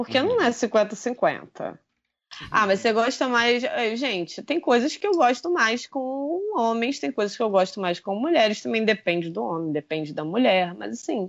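Moderate pace with very wide pitch swings. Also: woman. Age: 30s. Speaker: IT worker and podcaster. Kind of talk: casual interview chat.

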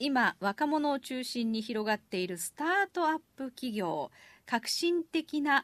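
Her pitch swinging very widely, a woman speaks in a very clean recording with a silent background and a dry, close sound with no echo. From Okayama, Japan (Kamogata). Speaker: radio host. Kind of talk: interview. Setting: studio. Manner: formal.

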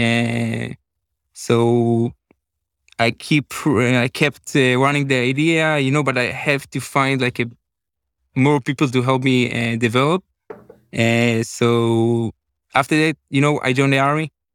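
In a very clean recording with a silent background and dry, close sound with no echo, a man with an Israeli accent speaks at a medium pitch and fairly slow pace, with very even loudness and fairly even intonation. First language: Hebrew. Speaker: startup founder. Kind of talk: interview. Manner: halting.

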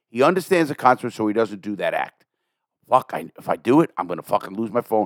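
Talking very fast, a man's voice swings widely in pitch, and the sound is dry and close with no echo. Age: 60s. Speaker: podcast host, former prisoner. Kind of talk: casual chat. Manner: animated.

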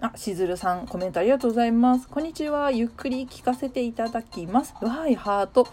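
Over noticeable background noise, a woman with a high pitch talks at a very fast pace with hardly any pauses. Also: lively intonation. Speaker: handmade crafter and radio-style show host. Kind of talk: casual live-stream chat with listeners. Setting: Twitter Spaces live audio stream. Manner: stumbling over words, slightly odd pronunciation; frequent laughing, chatty.

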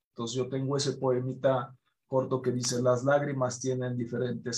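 A somewhat breathy man's voice at medium pitch, monotone and flat in intonation. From Mexico (Tlaxcala). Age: 40s. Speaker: author and poet. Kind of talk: interview with poetry reading.

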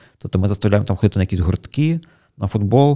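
Dry and close with no echo, a man's dark, mellow voice moves with lively intonation. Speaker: architect and father of three. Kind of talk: casual interview.

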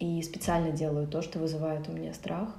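A woman with a fairly low pitch speaks in a monotone, flat intonation, somewhat breathy, with audible room echo. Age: 20s. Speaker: furniture designer and photographer. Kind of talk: recorded monologue answering questions.

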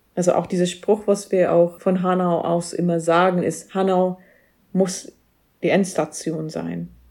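Her fairly low pitch and dark, mellow tone come with monotone, flat intonation from this woman. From England, London. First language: English (speaking German). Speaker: book editor and counselor for victims of racist violence. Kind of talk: interview conversation.

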